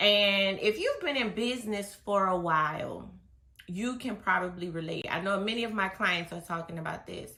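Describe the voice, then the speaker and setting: A woman talks at a moderate pace in a bright, sharp tone, her pitch medium with ordinary variation. Room echo is audible. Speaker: business coach. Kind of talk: talking-head advice video.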